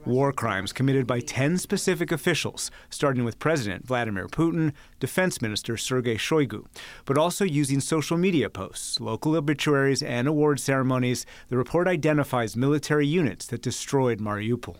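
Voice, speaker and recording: Guy reading a tv news package, even measured delivery, middle pitch. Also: no echo. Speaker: news correspondent. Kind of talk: scripted news report narration.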